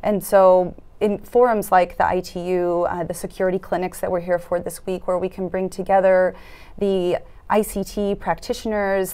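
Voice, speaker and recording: A woman in her thirties with a fairly low voice answers interview questions in a dark studio, speaking through a lapel mic. She is earnest and thoughtful, often pausing on fillers and restarting her sentences as she works out what she means. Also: clean tone. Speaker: foundation program officer, interviewee. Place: dark studio set at a conference.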